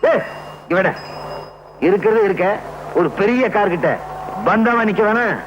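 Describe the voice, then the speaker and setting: Brief: gruff, impatient gang boss, high voice. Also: male voice, a little slow. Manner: barking orders. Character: bossy small-time crook, gruff and impatient. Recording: dull old film soundtrack with loud music.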